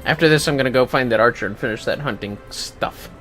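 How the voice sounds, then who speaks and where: A man's voice: medium pitch, fast, fairly bright tone, faint music behind. A man giving casual, offhand game livestream commentary, muttering asides to himself as he plays. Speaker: game streamer.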